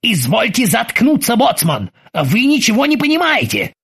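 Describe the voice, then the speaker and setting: Woman doing grumpy self-pitying captain, ranting, exclamatory, raised pitch, husky. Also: sing-song, normal speed, fairly bright tone, full character voice. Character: irritable, self-pitying male ship captain.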